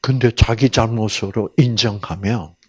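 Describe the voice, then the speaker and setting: A man's voice: fairly low pitch, measured pace, background noise. A man giving a Bible lecture in storytelling style, asking the audience questions and acting out the people in his story. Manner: animated, acts out voices in dialogue.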